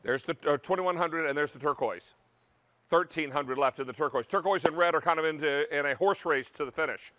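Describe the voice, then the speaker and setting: A man's voice: on the high side, a little fast, fairly bright tone, a little hiss or hum. A middle-aged man hosting a live shopping-channel cooking show, counting down stock and deadlines in an upbeat way. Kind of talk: live home shopping sales talk. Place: large TV studio kitchen set.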